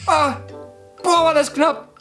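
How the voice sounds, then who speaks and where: A hoarse young man doing let's-play commentary, excitable, yelping and laughing as he talks to his viewers. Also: very high-pitched, slow. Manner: excitable, yelps and laughs, keeps addressing viewers. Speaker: gaming YouTuber. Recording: background music under voice. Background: game music.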